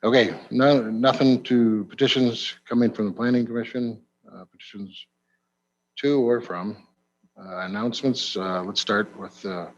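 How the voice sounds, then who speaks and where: A man chairing a county committee meeting, moving briskly through motions and votes. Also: fairly low pitch, fairly even intonation, highs cut off.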